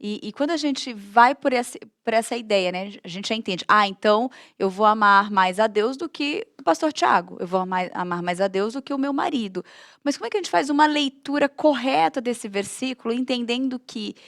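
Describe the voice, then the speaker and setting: A woman's voice: on the high side, lively intonation, moderate pace, fairly bright tone, dry recording, clean studio sound. A young adult woman with a Brazilian Portuguese accent, hosting a casual talk show and prompting her guest with questions. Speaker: host.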